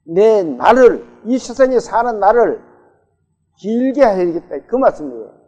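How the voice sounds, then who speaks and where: A man's voice: sits high, big pitch swings, measured pace, warm tone. A male pastor preaching a sermon in a church, talking with the congregation and putting questions to them. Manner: conversational, asks the congregation questions. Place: church sanctuary. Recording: dull, reverberant church recording.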